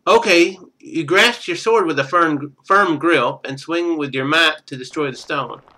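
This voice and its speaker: A man doing casual game stream commentary, thinking out loud and reading text from the screen. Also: on the high side, measured pace. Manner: thinks out loud, muttering to himself.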